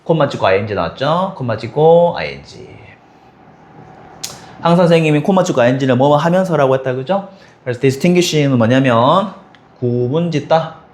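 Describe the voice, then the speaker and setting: A man teaching an English textbook passage to high school students, explaining step by step and asking students quick questions. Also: expressive, a little mellow. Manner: switches between plain and exaggerated voices for example lines.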